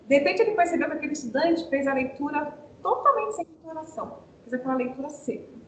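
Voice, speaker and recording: A Brazilian woman explains classroom methods to teachers over a video call, asking questions and then answering them herself. Her voice sits a little high. The sound is roomy and echoey, with a faint low rumble underneath. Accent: Brazilian Portuguese. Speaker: teacher trainer. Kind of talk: online teacher training talk.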